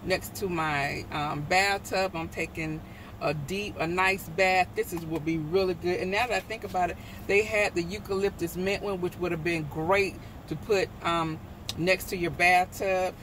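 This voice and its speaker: A woman's voice: lowish voice, fairly even intonation, moderate pace, fairly bright tone. A middle-aged woman chatting casually in a shopping haul vlog, rambling with frequent ums and self-corrections, filmed on a handheld phone. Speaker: vlogger. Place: store then parked car with air conditioner on. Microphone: handheld phone at arm's length. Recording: noisy phone video in a car. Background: car and street noise.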